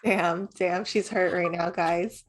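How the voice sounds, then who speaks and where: A woman's voice: on the low side, fairly even intonation, takes it slowly. A young woman whose was Vietnamese, co-hosting a podcast in candid casual chat, swearing freely and tossing in emphatic teasing asides. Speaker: podcast co-host.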